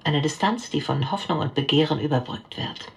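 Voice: medium pitch, normal speed, gravelly, lightly acted. A performer playing a detached academic lecturer, giving formal, analytical essay narration within a radio drama.

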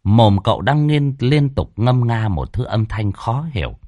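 A man narrating a ghost story in a lively, dramatic, colloquial way, with a husky voice. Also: medium pitch, measured pace, no echo, clean studio sound.

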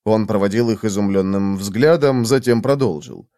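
A man narrating an audiobook in a lively, expressive way. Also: on the low side, moderate pace, no room sound, studio quality.

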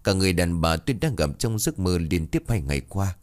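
Male horror storyteller, deep voice, expressive scripted narration. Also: fairly quick. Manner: dramatic, suspenseful reading.

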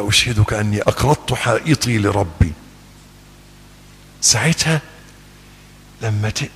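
A man preaching a sermon with an Egyptian accent, acting out back-and-forth dialogues with his listeners in an animated way. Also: medium pitch, breathy edge, long reverb tail. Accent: Egyptian Arabic.

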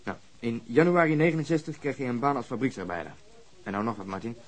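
A man plays a brusque police detective in a radio drama, rattling along at a quick clip. The voice is husky and the delivery dry, cynical and sarcastic. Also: medium pitch, expressive, lightly acted. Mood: matter-of-fact, dry. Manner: sardonic, matter-of-fact.

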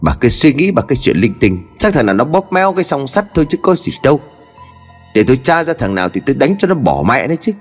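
A man playing a gruff, bullying old husband. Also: medium pitch, big pitch swings. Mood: angry. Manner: rapid, barking, threatening. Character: bad-tempered older husband, bullying and gruff. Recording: long reverb with faint music.

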